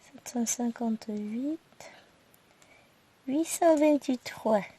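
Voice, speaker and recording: Slow-counting woman with a stuffy nose. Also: on the high side, breathy edge. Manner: slow, quiet counting, chatty asides. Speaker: cross-stitch YouTuber. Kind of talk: casual haul video, counting thread skeins.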